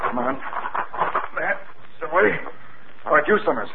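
An actor playing an urgent, excitable doctor in peril, in the exclamatory style of 1950s radio drama. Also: male voice, sits high, measured pace, gravelly, exaggerated voice. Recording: narrow, noisy 1950 radio recording.

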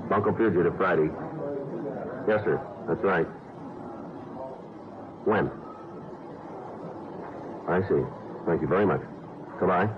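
An actor playing a matter-of-fact police detective who narrates in short, flat sentences, in a 1950s radio crime drama. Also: male voice, deep voice, slow pace, pauses often, noisy background. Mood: clipped. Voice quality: flat, clipped delivery. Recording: tinny old radio broadcast.

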